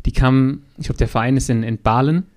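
A man's voice: mid-range voice, fast talker, darkish tone. A man hosting a podcast interview, chatty and joking, telling long anecdotes. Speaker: podcast host. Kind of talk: casual interview.

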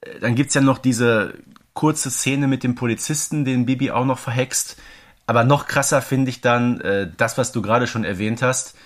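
A man's voice: mid-range voice, steady tone, normal speed. A man co-hosting a podcast, chatting casually and giving his opinions on an audio drama series. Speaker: podcast co-host.

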